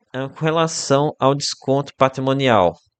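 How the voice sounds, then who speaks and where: A man talks in a normal speaking voice at medium pitch, with fairly even intonation and a dry, close sound with no echo. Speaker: finance YouTuber analyzing real estate funds. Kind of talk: investment analysis video.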